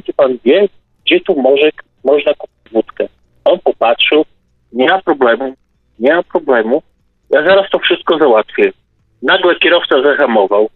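A man's voice: on the high side, breathy edge, no echo. A male caller telling a true anecdote, with hesitant fillers. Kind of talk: casual storytelling. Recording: tinny phone line, dry.

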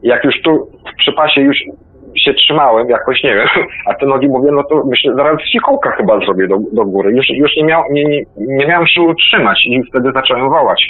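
A man calling in to a radio show by phone, telling a personal experience in a halting, stammering way that keeps repeating words. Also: mid-range voice, breathy edge, dry recording. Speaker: caller. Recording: tinny phone line.

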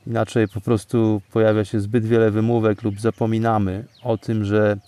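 A man giving a guided breathing meditation in slow, deliberate, soothing phrases with pauses, speaking outdoors. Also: lowish voice, level tone, dark tone, dry recording. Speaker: podcast host and meditation guide. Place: outdoors, sitting in a forest among bamboo. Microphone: microphone exposed to wind. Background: birdsong.

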